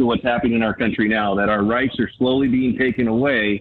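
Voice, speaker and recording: In an unremarkable speaking voice, a man talks fairly quickly at medium pitch with ordinary pitch variation. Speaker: caller. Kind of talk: phone call to radio show. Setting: phone call.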